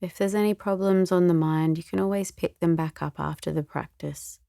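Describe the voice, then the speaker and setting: A woman leads a guided meditation in a low, mellow voice. She speaks very slowly and gently, with a soft, soothing delivery that sometimes turns breathy. The sound is close and dry. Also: fairly even intonation, no echo. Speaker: meditation teacher.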